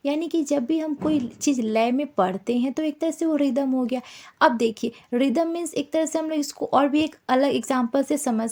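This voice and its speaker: A woman's voice: high voice, a little mellow. A woman tutor giving an explanatory exam-prep lesson, often repeating herself as she explains.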